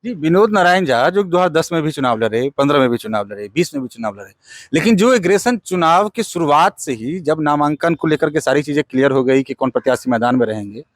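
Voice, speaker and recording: A man's voice: on the high side, no room sound. A man interviewing as a journalist, putting long, wordy political questions. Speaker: news interviewer.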